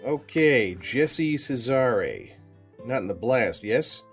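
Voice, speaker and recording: An actor playing a calm, polite but insistent police sergeant questioning a witness. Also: male voice, mid-range voice, slow, faint music behind. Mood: persistent. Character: male police sergeant, steady and persistent. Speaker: police investigator.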